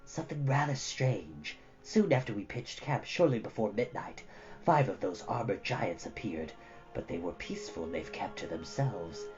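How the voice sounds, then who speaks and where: A narrator voicing a blue djinn caravan leader who reports in a measured, subdued manner. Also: mid-range voice, very animated, darkish tone, muffled recording, faint music behind, voice pushed down. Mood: grave, puzzled.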